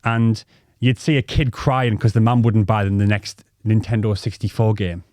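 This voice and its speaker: A man's voice: fairly low pitch, steady tone, moderate pace, darkish tone, no room sound, clean studio sound. North East English man telling stories. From North East England. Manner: rambling, swears freely, many ums and restarts. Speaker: podcast co-host. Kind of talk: casual storytelling chat.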